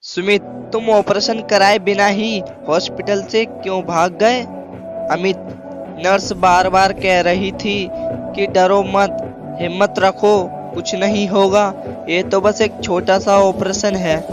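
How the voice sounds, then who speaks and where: Male comic narrator, high-pitched, brisk anecdotal reads. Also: flat delivery. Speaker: joke narrator. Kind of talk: scripted comic joke reading. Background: music.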